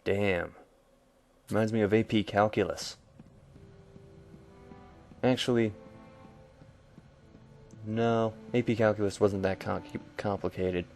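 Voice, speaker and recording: A man's voice: on the low side, fairly even intonation, slow pace, gravelly, pauses often, darkish tone, soft background music. A young man casually commentating a video game with dry, joking asides. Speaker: let's-play commentator.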